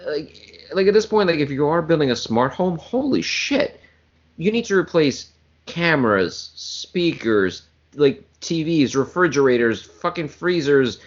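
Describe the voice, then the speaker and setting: A man on a podcast whose pitch swings all over as he rambles and jokes at his own expense. The casual chat has a dull, muffled sound. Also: sing-song, a little slow. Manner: joking, rambling, self-mocking. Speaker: podcast co-host. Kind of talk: casual banter.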